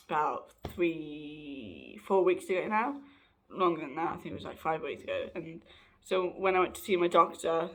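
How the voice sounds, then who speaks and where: A young trans man, rambling casually in a personal vlog, often correcting himself and laughing, his voice slightly raspy and hoarse. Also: sits high, pushed and bright. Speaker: vlogger.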